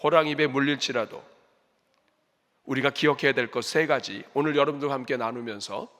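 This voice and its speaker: A man's voice: medium pitch, fairly quick, a bit bright. A man, a senior pastor, preaching a sermon in earnest, asking the congregation rhetorical questions. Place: church sanctuary. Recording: reverberant church hall.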